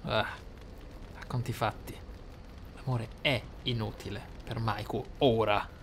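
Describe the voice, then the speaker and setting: A man's voice: fairly low pitch, fairly even intonation, unhurried, creaky, a little hiss or hum. A man giving casual role-play game commentary, musing aloud in an amused manner. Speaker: let's play host.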